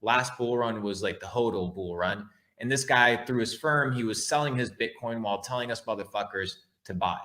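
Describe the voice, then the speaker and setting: A man's voice: medium pitch, normal speed, few pauses, sharp tone. A man talking like a brash crypto bro in a casual motivational livestream, blunt and profane, hammering key words by repeating them. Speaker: livestream host, online entrepreneur.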